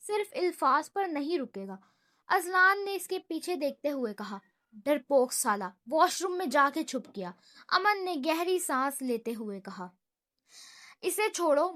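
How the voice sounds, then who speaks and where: A woman narrating a romantic comedy novel, voicing its male characters' lines with animated delivery. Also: very high-pitched. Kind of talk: storybook narration with acted dialogue.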